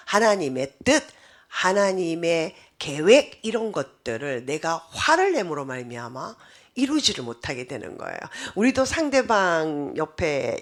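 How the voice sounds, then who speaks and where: Woman, pastor, sermon, husky, lively melody, rhetorical questions to the congregation. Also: lowish voice. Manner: animated, explanatory preaching with rhetorical questions to the congregation.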